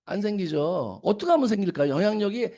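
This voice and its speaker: A man's voice: sits high, expressive, quick pace, mellow. A middle-aged man giving a seminar talk to an audience, often asking them questions and then answering them himself. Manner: acts out quoted scolding lines. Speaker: business seminar speaker. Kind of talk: lecture to an audience.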